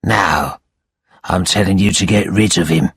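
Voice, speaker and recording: A man's voice: deep voice, unhurried, a bit bright, slightly rough, no echo, voice pushed down, heavily acted. A man reading a storybook aloud, voicing a cunning, spiteful male schemer who talks in a sly, mocking, commanding way.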